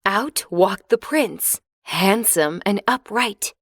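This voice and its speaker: A woman narrating a children's fairy tale in a clear, expressive storybook reading. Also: medium pitch, slow, dry recording, clean studio sound.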